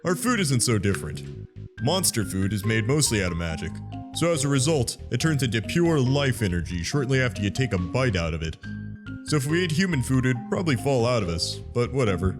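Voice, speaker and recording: A man voicing a laid-back, wisecracking skeleton monster in a casual, deadpan way for a fan comic dub. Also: mid-range voice, fairly quick, music in the background, lightly acted. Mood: deadpan, explanatory.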